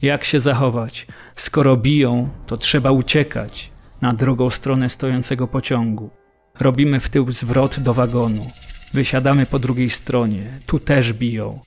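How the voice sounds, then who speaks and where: Actor as gravelly, bewildered male prisoner. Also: mid-range voice, fairly even intonation, a little slow, a little mellow, close to an everyday voice. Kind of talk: scripted radio drama monologue.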